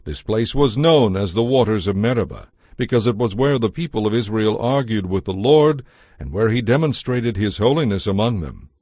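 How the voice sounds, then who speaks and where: A man's voice: lowish voice, animated, moderate pace, darkish tone, no echo. Solemn male scripture narrator, dry sound. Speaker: Bible narrator.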